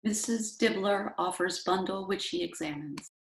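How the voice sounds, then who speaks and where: A woman's voice: mid-range voice, normal speed, vocal fry. A woman reading scripted stage directions as narrator. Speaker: narrator, library staff reader. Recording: roomy echo, faint noise, clicks.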